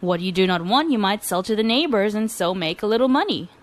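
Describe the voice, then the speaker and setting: A woman voicing a kind, mild-mannered older male governor who speaks calmly and gently. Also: medium pitch, fairly quick, lightly acted. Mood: gentle.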